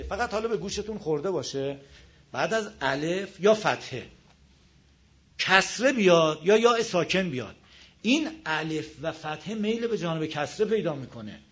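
A man with a fairly high voice teaches a recitation class, going over each rule again and again and sounding out the examples himself. The recording is dull and lo-fi, as if captured in a classroom. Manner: patient, repeats rules, models pronunciations. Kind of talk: live class lecture on tajweed. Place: classroom with a board.

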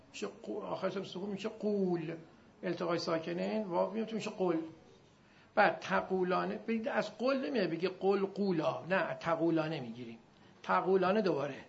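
A man teaching Arabic grammar in a classroom, chanting verb forms in rhythmic drills and firing quick questions at his students. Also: high-pitched, creaky. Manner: recites verb forms in a loud rhythmic chant, then drops to quiet asides. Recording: dull lo-fi recording with faint background noise.

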